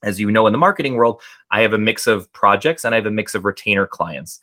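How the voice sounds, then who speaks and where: Bright-voiced low male guest. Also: fast. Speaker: brand co-founder, guest. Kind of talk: casual interview answers.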